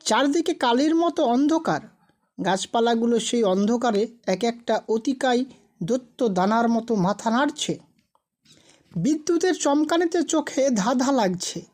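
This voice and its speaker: A woman with a fairly high voice narrates a scripted spooky tale. She reads as a storyteller, telling the ghost story in narrative prose. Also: expressive, unhurried, a little mellow.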